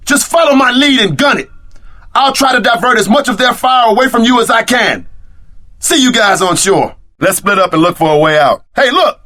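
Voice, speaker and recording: An actor playing a tough, streetwise, wisecracking action sidekick in a video game, with a husky voice and gruff, slangy delivery. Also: male voice, very high-pitched, bright, forceful tone, heavily acted. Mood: urgent, shouting.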